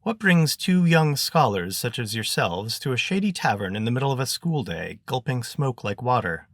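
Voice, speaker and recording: Man doing a pompous, raised-pitch gentleman adventurer. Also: sing-song, normal speed, no echo, studio quality. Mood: inquisitive. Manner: florid, pompous. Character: verbose, theatrical gentleman adventurer, grandly polite male.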